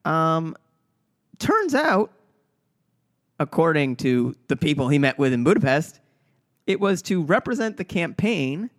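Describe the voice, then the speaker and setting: A man's voice: on the high side, no echo, clean studio sound. Sarcastic man chatting on a podcast. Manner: sarcastic, acts out mocking quotes in silly voices. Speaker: podcast co-host. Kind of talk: casual political comedy chat.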